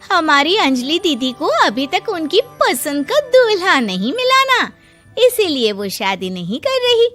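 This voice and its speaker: A woman voicing a sarcastic, needling young sister-in-law in an animated story. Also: high voice, unhurried, faint music behind, heavily acted. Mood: mocking.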